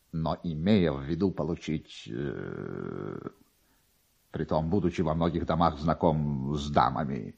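Man as a flustered, husky, halting major. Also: extremely low pitch, a little mellow, muffled recording, voice pushed down, heavily acted. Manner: halting, deferential, groping for words. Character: flustered, timid, self-important male major missing his nose. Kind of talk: dramatic literary reading.

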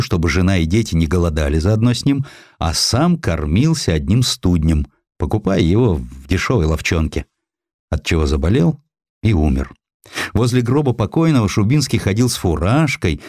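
A man reading a literary history audiobook in an expressive, theatrical storytelling manner, acting out the dialogue as he goes. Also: low-pitched, normal speed, no echo, studio quality. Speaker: audiobook narrator. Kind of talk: expressive scripted literary narration.

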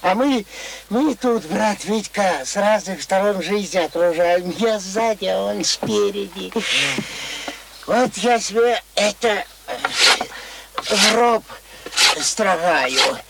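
An actor playing a homespun village philosopher in a radio drama, talking in a drawling, halting, folksy way. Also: mid-range voice, creaky, background noise. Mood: musing.

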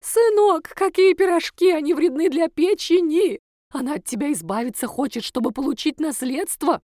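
A woman's voice: darkish tone, no room sound, clean studio sound, lightly acted. A woman voicing a hysterical older mother who wails and laments theatrically in a storybook reading. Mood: shrill. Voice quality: shrill, wailing. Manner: drawn-out melodramatic lamenting.

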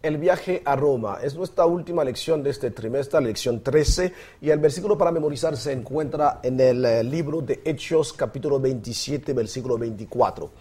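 A man's voice: medium pitch, normal speed, few pauses, dark tone, breathy edge. A man hosting a Bible study discussion in a studio, welcoming listeners and guiding the conversation. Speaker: host of a Bible study program.

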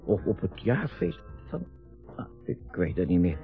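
A man's voice: low-pitched, big pitch swings, unhurried, creaky, heavily acted. Radio drama father, man in his 60s, vague and hesitant, music behind, lo-fi sound. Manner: hesitant, vague, short answers. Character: forgetful, hesitant retiring father, fond of trains. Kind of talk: naturalistic radio drama acting. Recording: dull lo-fi radio recording with music.

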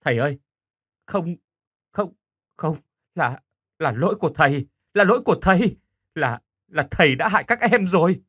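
A man's voice: fairly high pitch, expressive, moderate pace, long pauses, a bit bright, breathy edge, dry recording, clean studio sound. A man voicing a guilt-stricken male teacher who pleads and stammers, in a horror audiobook. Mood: pleading.

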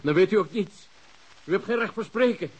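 Shrill, hysterical self-righteous killer. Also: male voice, a little fast, breathy edge, low-quality recording. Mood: indignant, hysterical. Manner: indignant, shrill, shouting outbursts. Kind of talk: radio drama acting.

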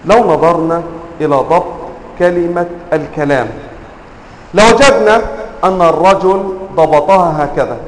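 High-voiced man teaching grammar in an echoing room. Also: slight background noise. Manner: quizzes the class with frequent questions; drawls example words slowly and emphatically. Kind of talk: classroom lecture. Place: lecture room with students. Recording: roomy echo, faint ambience.

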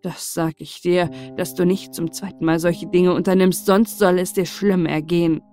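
A woman's voice: lowish voice, flat delivery, normal speed, warm tone, soft background music, natural voice. Woman acting a stern, admonishing male saint. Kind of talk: fairy-tale storybook character voice.

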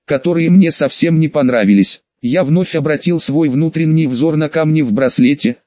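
A male audiobook narrator with a slightly high voice, reading in a wry, crude, casual tone. The sound is dry and close, with a dull, lo-fi edge. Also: moderate pace, dry recording. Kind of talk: first-person audiobook narration.

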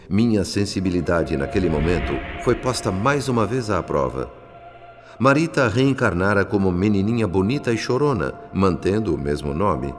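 Radio drama narrator, a solemn, compassionate male spirit: low voice, Brazilian accent, long reverb. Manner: solemn, literary, measured. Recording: long reverb, loud music behind. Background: music.

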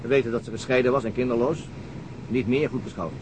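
Man doing a quiet thoughtful big-city detective, radio play, normal pitch, short answers, steady noise under it. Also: quick pace, close to an everyday voice. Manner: reserved, brief replies, thoughtful. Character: calm, reserved male city detective, middle-aged. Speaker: visiting police detective. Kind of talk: radio drama acting.

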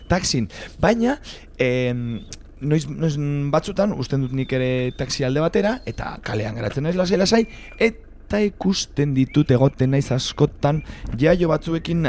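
A man's voice: mid-range voice, natural voice. A man playing a chatty, encouraging taxi driver in radio theatre, rambling and repeating his words. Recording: loud vehicle noise behind the voice.

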